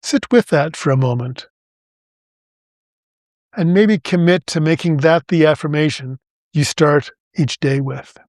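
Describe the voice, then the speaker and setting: Male podcast host with a slightly high voice, reflective spiritual monologue, slow gentle inspirational reads, dry close sound. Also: dry recording. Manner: slow and deliberate, phrase by phrase.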